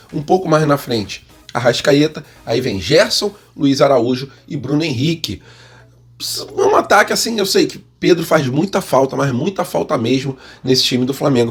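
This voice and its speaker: A man with a Brazilian accent hosts informal football news. His voice is husky and sits at a middle pitch. He talks straight to viewers as a partisan fan. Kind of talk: informal sports news commentary.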